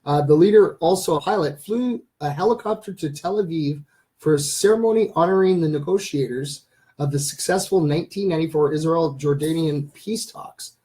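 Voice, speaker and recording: A man's voice: on the high side, a little fast, mellow. A man in his thirties hosting a casual live stream, reading out news items with lots of ums and uhs. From Canada. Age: 30s. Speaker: livestream host.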